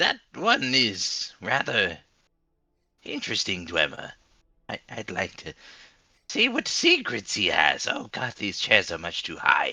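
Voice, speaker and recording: A man's put-on character voice, fairly slow, with long, frequent pauses. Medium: actual play. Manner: polite, chatty.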